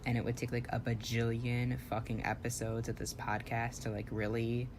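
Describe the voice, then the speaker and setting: A man's voice: mid-range voice, monotone, moderate pace, background noise. A young trans man co-hosting a podcast, blunt and joking with a lot of swearing. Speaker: podcast co-host. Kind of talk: casual podcast chat.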